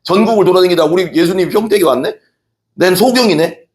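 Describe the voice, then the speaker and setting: In an evening church sermon, a male pastor with a high voice speaks quickly, telling the story energetically and frequently putting questions to the congregation.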